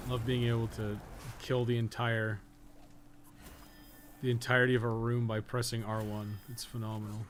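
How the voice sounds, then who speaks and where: A man's voice: mid-range voice, flat delivery, normal speed, pauses often, slight background noise. A man doing casual live gameplay commentary as a streamer, sweary and sarcastic, often muttering to himself. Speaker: game streamer, podcast co-host.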